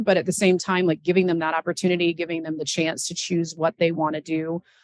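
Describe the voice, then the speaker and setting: A woman speaks in a normal speaking voice with an American accent at a fairly low pitch, the sound dry and close with no echo. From US Pacific Northwest (Seattle area). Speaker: pilot. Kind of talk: panel discussion. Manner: casual, filler-heavy.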